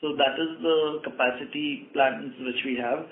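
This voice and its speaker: A man with an Indian accent answering as a company executive on an earnings call, halting and measured as he speaks. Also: on the high side, fairly even intonation. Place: conference call by phone. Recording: roomy echo, narrow phone line.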